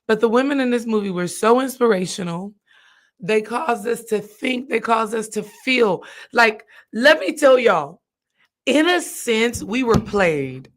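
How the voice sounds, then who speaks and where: A woman, hoarse from coaching, chatting casually on a live stream as a spiritual healing coach. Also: mid-range voice. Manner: chatty, addresses viewers directly.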